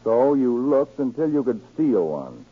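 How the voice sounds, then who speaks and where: An actor playing a stern, commanding government counterspy chief in a 1940s radio drama, with clipped, deliberate speech. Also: male voice, medium pitch, sing-song, husky. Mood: stern, accusing. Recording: scratchy, narrow-band 1940s radio recording.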